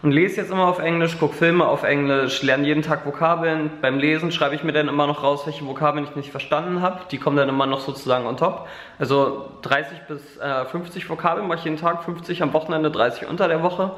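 A young man talks casually into a handheld camera at home, rambling along with plenty of fillers. His voice sits a little high. The room around him rings with a noticeable echo. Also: fairly even intonation, fairly quick, fairly bright tone. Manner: rambling, filler-heavy, chatty. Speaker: vlogger. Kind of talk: casual daily vlog chat. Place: living room at home, indoors. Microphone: camera held at arm's length.

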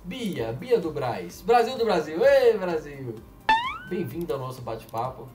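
A man with a Brazilian accent hosting a live stream, reacting excitedly and relaying what is said in an interview, often shouting a catchphrase. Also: fairly high pitch, a little slow, echoey room, distant mic, loud music behind the voice. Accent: Brazilian Portuguese.

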